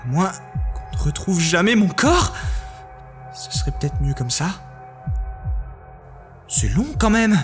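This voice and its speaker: An actor playing a hapless young male smuggler in an audio drama, sarcastic, excitable and self-mocking. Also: sits high, takes it slowly, long pauses, faint music behind, exaggerated voice. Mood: wry, resigned. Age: young adult. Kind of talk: dramatised audio narrative, character acting.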